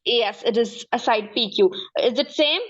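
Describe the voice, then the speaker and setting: Female maths tutor, South Asian accent, higher-pitched, encouraging, interactive, dull lo-fi recording. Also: moderate pace. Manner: encouraging, frequently checking understanding. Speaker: maths teacher.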